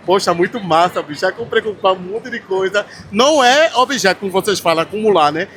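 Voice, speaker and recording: A man's voice: high voice, animated, fairly quick, a bit bright. A man with a Northeastern Brazilian accent, chatting casually and colloquially as an appreciative visitor being interviewed. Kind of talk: casual chat. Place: busy craft fair. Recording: faint fair noise behind.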